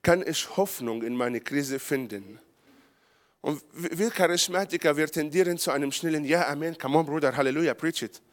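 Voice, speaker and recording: A man from Israel preaching a charismatic sermon, his voice sitting a little high. He talks in imperfect, non-native German and climbs to loud, emphatic peaks. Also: normal speed. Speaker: pastor.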